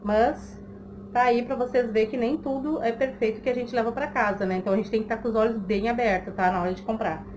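A woman vlogger chats casually to camera from a small room at home, giving tips in a conversational way and often checking in with the listener through tags. Her voice is fairly high, steady, fast and a little mellow, and the home recording is clearly noisy.

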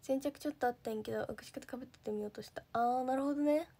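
A slightly high-voiced young woman from Japan chats casually into her phone. She sounds bubbly and talkative as she reads viewer comments and thanks them one by one. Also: racing, mellow. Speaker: idol livestreamer. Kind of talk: casual livestream chat reading comments.

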